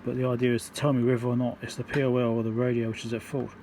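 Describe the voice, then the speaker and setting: Man thinking aloud over noisy background hum. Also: mid-range voice. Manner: informal, halting, piecemeal step-by-step explaining. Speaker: electronics repair host. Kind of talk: hands-on repair demonstration, thinking aloud. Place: indoor repair workbench. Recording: steady background hum and room noise.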